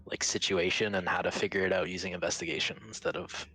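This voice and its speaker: A man's voice: sits low, level tone, fast talker, pushed and bright, breathy edge, rough recording. A man playing a tabletop game, talking in character with a rambling, joking, teacherly manner. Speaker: player.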